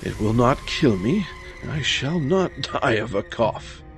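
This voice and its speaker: A man voicing a vain, drunken nobleman with slurred, halting speech in a gothic horror story. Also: medium pitch, big pitch swings. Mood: tipsy, dismissive. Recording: music behind the voice.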